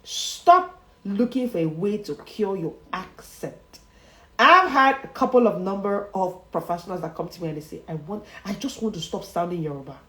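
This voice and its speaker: A woman's voice: mid-range voice, expressive, moderate pace, bright, forceful tone. A woman, a speech coach teaching viewers emphatically, repeating her key phrases and often chuckling. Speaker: public speaking coach. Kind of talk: motivational livestream teaching. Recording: roomy echo.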